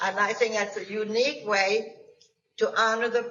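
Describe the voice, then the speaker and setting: In a German accent, a woman speaks at a moderate pace with a medium pitch and fairly even intonation. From Germany. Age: 90s. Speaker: holocaust survivor speaking to students. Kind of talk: testimony.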